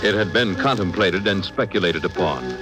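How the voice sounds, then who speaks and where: Grave, lively male radio narrator. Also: low-pitched, moderate pace, music in the background. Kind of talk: dramatic scripted narration.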